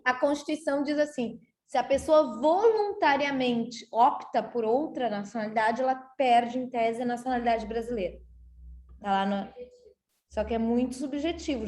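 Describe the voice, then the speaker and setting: A Brazilian-accented woman teaches a law class in a loose, conversational manner, explaining cases and checking in with her students as she goes. Her voice sits high. The room rings with a noticeable echo. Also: a little mellow. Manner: chatty and explanatory, tags sentences with "tá?". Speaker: law lecturer. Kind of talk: university lecture to a class. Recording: roomy echo.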